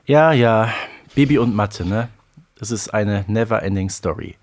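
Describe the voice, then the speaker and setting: A man's voice: lowish voice, unhurried, darkish tone. A man in his forties co-hosting a podcast in casual chat, explaining things and steering the discussion. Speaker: podcast co-host.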